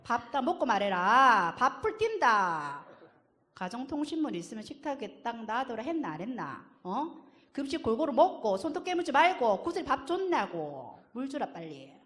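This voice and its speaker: A woman's voice: a little high, very animated, a bit bright. A woman voicing a nagging father who scolds his young son nonstop in Gyeongsang dialect. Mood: scolding. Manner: rapid scolding, nonstop orders.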